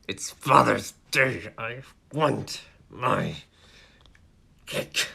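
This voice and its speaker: Guy doing a whiny old man yelling for his cake, slow and draggy, crackly rough voice. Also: lowish voice, animated, exaggerated voice. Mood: whining. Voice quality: whiny, shouting. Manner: slow, drawn-out demands. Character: petulant demanding old man in a wheelchair. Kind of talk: dramatic story reading.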